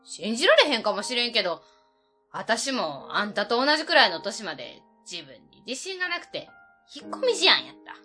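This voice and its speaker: An actress playing a chatty, teasing middle-aged aunt with a Kansai accent in an amateur web radio drama. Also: female voice, on the high side, sing-song, a little fast, pushed and bright, soft background music. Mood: tender. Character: lively middle-aged prankster aunt, warm-hearted.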